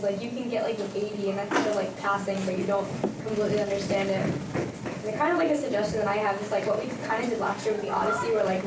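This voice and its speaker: A woman's voice: medium pitch, very noisy. A teenage female student with an American accent, talking casually in a class discussion. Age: teens. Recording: echoey, distant, music over voice.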